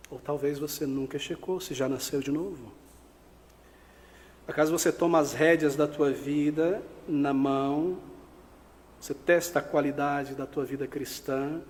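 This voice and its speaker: A Brazilian man preaches a sermon in a fairly high voice, swinging from loud, forceful outbursts to hushed, earnest appeals. His voice rings with the long reverb of a church hall. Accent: Brazilian Portuguese. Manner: emphatic preaching, rising to loud outbursts then dropping to quiet appeals. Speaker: pastor.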